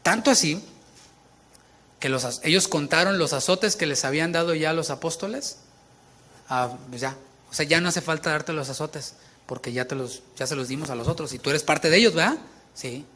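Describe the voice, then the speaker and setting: Emphatic higher-voiced pastor. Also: male voice, normal speed, bright, forceful tone, a little hiss or hum. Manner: emphatic preaching with casual conversational asides. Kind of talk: sermon.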